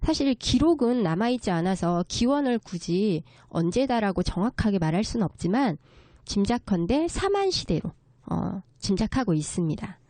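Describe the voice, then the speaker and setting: A woman gives a courteous interview explanation, taking things step by step. Her voice is mellow and relaxed, with lively movement in pitch. The sound is close and dry. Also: moderate pace, dry recording. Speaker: guest expert, children's story writer. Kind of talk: explanatory interview talk on local folk culture.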